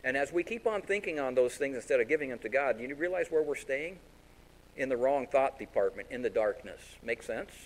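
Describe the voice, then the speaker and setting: A man's voice: mid-range voice, fairly quick, poor audio. A man preaching a sermon as pastor in a folksy, storytelling way. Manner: folksy, animated storytelling with acted-out voices.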